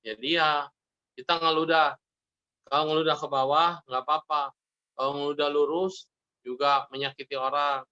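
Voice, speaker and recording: A man's voice: fairly high pitch, level tone, normal speed, long pauses, pushed and bright, clear, resonant tone, lo-fi sound. A man, a Buddhist monk, giving a casual sermon full of stories, joking and laughing as he acts out the people in them. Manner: jokey, laughs often, acts out characters in his stories.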